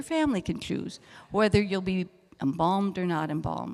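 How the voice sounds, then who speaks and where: At a moderate pace, a woman talks in a shaky voice at medium pitch with ordinary variation. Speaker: church committee member presenting. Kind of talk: church service presentation.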